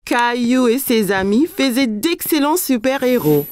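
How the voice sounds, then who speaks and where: A woman narrating a children's cartoon as a warm, scripted storyteller. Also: fairly high pitch, lively intonation, measured pace. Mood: storytelling. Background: faint music.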